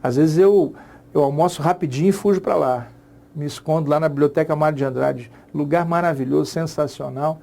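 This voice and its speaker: A man's voice: on the high side, fairly quick, creaky, mellow. A middle-aged Brazilian man giving an exam-prep literature lesson, chatty, repeating key phrases and checking in with the class. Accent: Brazilian Portuguese. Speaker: literature teacher.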